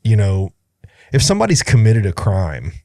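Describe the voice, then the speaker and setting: A man's voice: on the low side, huge pitch swings, normal speed, mellow, no room sound. Blunt opinionated man, dry sound. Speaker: podcast co-host. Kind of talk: casual political chat.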